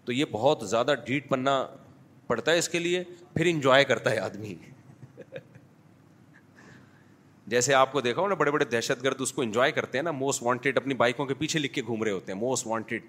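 A man's voice: medium pitch, fairly bright tone. Guy preaching at a mosque, blunt and funny, acts out the back-and-forth in his stories. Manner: frank, humorous storytelling with acted dialogue. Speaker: mufti giving a Sunday lecture. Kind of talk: sermon with anecdotes and audience questions. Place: mosque, before a congregation.

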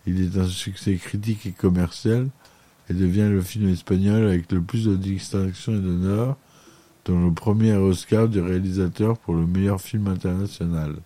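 Male podcast host, low dark voice, dry close sound, reads a chronicle and often trips and corrects himself. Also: steady tone, normal speed, no room sound. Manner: reads aloud with frequent stumbles and self-corrections. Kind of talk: read film chronicle.

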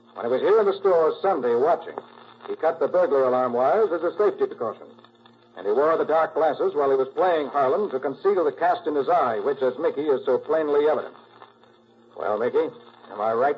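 A man's voice: a little high, husky. An actor playing a confident, methodical male detective in a 1940s radio crime drama, explaining things with firm assurance. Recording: dull, faintly noisy 1940s radio recording.

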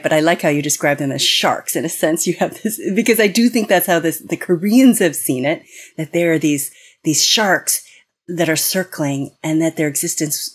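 Woman, American accent, deep voice, slightly husky, earnest explainer, podcast guest. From United States. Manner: earnest and explanatory, with frequent restarts. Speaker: guest expert. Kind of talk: podcast interview.

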